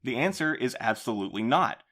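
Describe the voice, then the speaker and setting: An actor playing a defensive postmaster in an audio drama, speaking in a measured, placating way. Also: male voice, medium pitch, animated, a bit bright. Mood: earnest. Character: defensive male postmaster, guarded boss.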